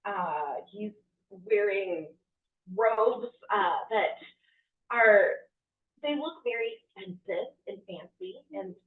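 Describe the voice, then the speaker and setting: A woman's voice: medium pitch, takes it slowly. A woman narrating a tabletop game as game master, hesitant with many ums and uhs. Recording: distant, echoey, phone-like audio.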